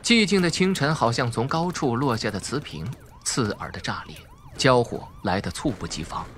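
A man's voice: mid-range voice, lively intonation, normal speed, a bit bright, a little hiss or hum. A man reading a suspense audiobook as a dramatic scripted narrator.

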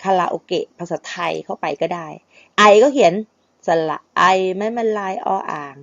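A woman's voice: on the low side, moderate pace, gravelly, fairly bright tone, dry recording, lo-fi sound. A woman singing teacher who gives a patient, polite lesson and sings short phrases to show how English words are pronounced. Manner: demonstrates English pronunciation by singing and spelling out words; patient, polite, with frequent na kha and kha.

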